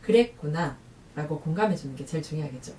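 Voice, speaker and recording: A woman vlogging about talking with children, chatty and lively, acting out quoted lines. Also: on the low side, normal speed, reverberant, recorded from a distance, a little hiss or hum. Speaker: parenting vlogger. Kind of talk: casual talk to camera.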